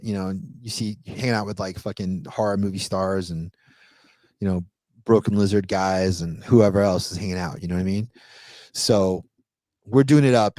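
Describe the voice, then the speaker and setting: A man's voice: fairly low pitch, darkish tone, no room sound. Profane rambling storyteller man. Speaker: podcast guest. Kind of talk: casual storytelling.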